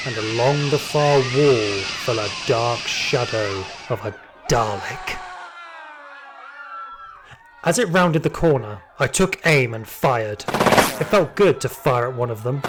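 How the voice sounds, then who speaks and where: A man's voice: mid-range voice, heavy background noise, close to an everyday voice. A man playing a hardened, trigger-happy security guard, telling his story in dramatic first-person audio drama narration. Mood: dread, alert.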